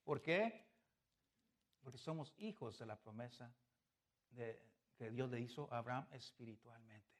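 A man with a Mexican Spanish accent delivers a sermon as a pastor. His voice swings between loud, emphatic bursts and soft, low asides, and he chuckles through his personal stories. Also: a little slow, long pauses.

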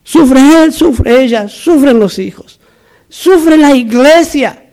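A man's voice: very high-pitched, expressive, slow pace, darkish tone. A man from Argentina preaching a sermon as a pastor, emphatic and repetitive, with humorous asides.

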